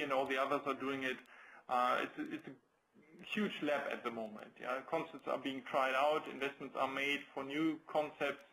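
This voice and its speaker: A man's voice: medium pitch, sharp tone, low-quality recording. A man with a German accent speaking as a company executive, answering questions on a business conference call in careful, hesitant phrases. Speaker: company executive presenting results.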